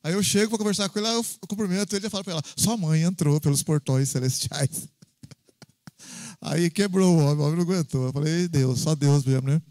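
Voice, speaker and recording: A man with a Brazilian Portuguese accent preaching an informal sermon in a church, telling personal stories with lively frequent tag questions. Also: sits high, fast, no room sound. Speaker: pastor.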